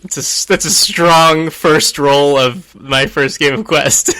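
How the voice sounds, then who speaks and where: A man narrating his character's actions as a tabletop game player, in a deliberate, halting way. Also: a little high, pushed and bright. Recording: music under the voice.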